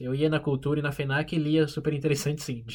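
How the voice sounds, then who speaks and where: Speaking fairly quickly with a Brazilian accent, a man sounds somewhat breathy and animated. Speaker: podcast host. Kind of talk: casual chat; reading announcements.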